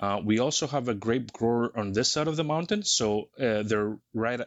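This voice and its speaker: A man with a Greek accent, medium pitch, and a moderate pace. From Greece. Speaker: distillery and winery owner. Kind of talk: interview.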